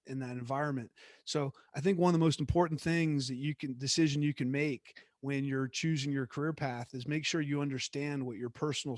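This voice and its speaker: A middle-aged man, a guest speaker, telling stories from his career in a relaxed, reflective way with frequent restarts. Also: mid-range voice, no echo, clean studio sound. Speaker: guest speaker, former theme park executive. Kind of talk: conversational class talk.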